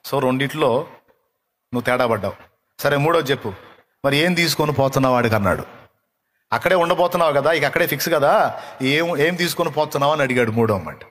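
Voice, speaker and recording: A man's voice: on the high side, a bit bright. A male pastor preaching a sermon, telling a parable and acting out its dialogue, with emphatic rhetorical questions. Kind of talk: storytelling sermon.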